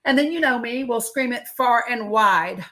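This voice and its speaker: A woman's voice: a little high, normal speed, a bit bright. A middle-aged woman, hosting a casual political live chat in an informal, encouraging way. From Tennessee, United States. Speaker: live stream host.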